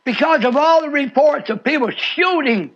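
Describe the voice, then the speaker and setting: A man's voice: extremely high pitch, moderate pace, fairly bright tone. A man preaching a radio sermon in a fiery, sing-song way with sudden swoops and repeated phrases. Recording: muffled shortwave radio broadcast.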